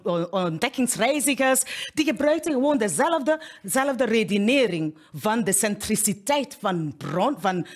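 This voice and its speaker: A husky, slightly breathy middle-aged woman delivers a keynote from a studio. She talks in a lively, searching way, circling back over words and pushing on. Her tone stays that of a committed speaker addressing educators. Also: mid-range voice. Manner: animated, gesturing widely, many restarts and repeated words. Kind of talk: keynote talk. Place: studio in front of a plain backdrop.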